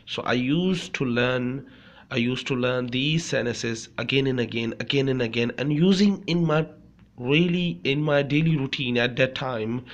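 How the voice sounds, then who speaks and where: A man with a South Asian accent and Urdu as his native language gives a beginner language lesson in a mid-pitched voice. He explains phrase by phrase, repeats often and keeps checking for understanding. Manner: repetitive, frequently checking understanding with "okay". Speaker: language teacher.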